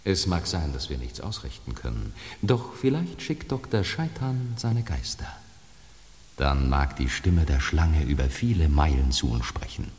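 An actor playing a solemn, sinister cult leader who conducts a seance in a ceremonial, theatrical way in a radio play. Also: male voice, a bass voice, very animated, measured pace, a little mellow, heavily acted. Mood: solemn, commanding. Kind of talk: German audio drama acting. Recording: long reverberant hall.

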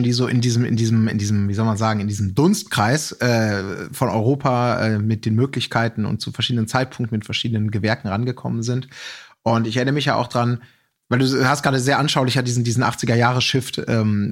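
A man speaking as a podcast host, chatting casually and circling wordily through his thoughts with repeated words. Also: mid-range voice. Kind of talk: casual interview talk.

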